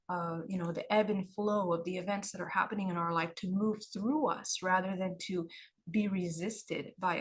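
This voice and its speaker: Woman, spiritual teacher on a live stream; hoarse and husky, mid-pitched, unhurried, repeats phrases. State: hoarse, losing her voice. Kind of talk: livestream spiritual talk.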